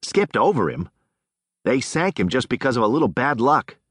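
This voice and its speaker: A man's voice: medium pitch, very animated, moderate pace, breathy edge, dry recording, studio quality. A man doing an intense teenage brother. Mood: indignant. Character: intense fifteen-year-old older brother, shortstop.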